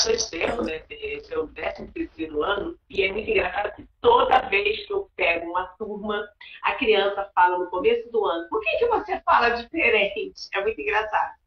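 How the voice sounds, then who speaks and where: Co-hosting a live video chat, a teacher from Rio de Janeiro speaks with a Carioca Portuguese accent, conversational and somewhat hesitant. She has a mid-range, slightly bright voice, captured in a roomy, dull-sounding recording.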